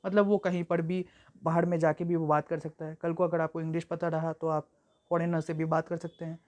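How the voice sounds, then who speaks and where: A young woman tutor giving an exam-prep lecture, explaining at length with frequent fillers and slowing down to read example sentences aloud. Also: sits low, flat delivery, darkish tone. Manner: reads English examples slowly and deliberately. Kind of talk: exam-prep lecture mixing Hindi and English.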